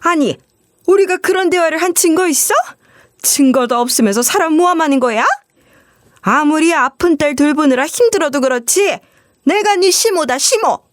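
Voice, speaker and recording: A woman voicing a brazen, scheming older mother-in-law, shrill and scolding. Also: sing-song, moderate pace, a little mellow, dry recording, clean studio sound. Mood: indignant.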